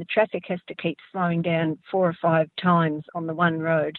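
Australian accent from a woman, a fairly low pitch, a moderate pace. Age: 60s. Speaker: wildlife activist. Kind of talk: eyewitness interview.

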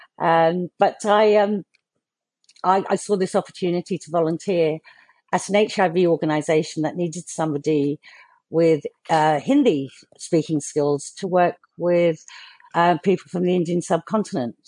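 The voice carries a British accent and a dark, mellow tone. The sound is dry and close, with no echo. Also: woman, fairly low pitch for a woman, ordinary pitch variation, moderate pace. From England. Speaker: community worker. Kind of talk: radio interview.

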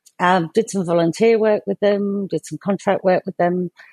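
A woman with a British accent and a fairly low voice, dark and mellow in tone, in a dry, close sound with no echo. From England, of Indian parents. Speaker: HIV community organisation director. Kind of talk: interview.

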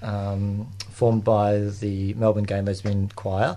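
A man with an Australian accent. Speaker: former choir member. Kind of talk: casual radio interview.

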